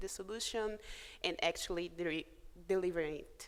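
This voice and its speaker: A woman speaks in a Portuguese accent. Her pace is moderate. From Brazil, Recife (northeast). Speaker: software developer, conference speaker. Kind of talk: conference talk. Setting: stage with audience. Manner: hesitant, many fillers.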